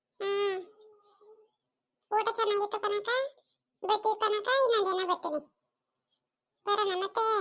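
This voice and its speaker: A woman does a cartoonish character voice at an extremely high pitch, speaking at a fairly slow pace with fairly even intonation. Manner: breezy, chatty.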